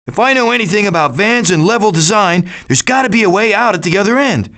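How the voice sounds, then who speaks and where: A man voicing a glib, sarcastic, scheming raccoon who leads a gang of food thieves in an animated video game. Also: high voice, quick pace. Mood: cocky, quipping. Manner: glib, sarcastic, cocky quipping.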